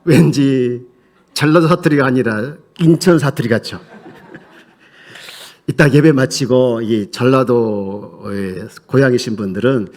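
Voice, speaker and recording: A man's voice: medium pitch, unhurried. A male pastor preaching a sermon in a church sanctuary in a conversational way, leading the congregation in reading aloud together.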